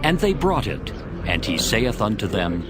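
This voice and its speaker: A man's voice: on the low side, big pitch swings, a little slow. A man narrating scripture from a script in a dramatized audio reading. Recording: voice over prominent background music.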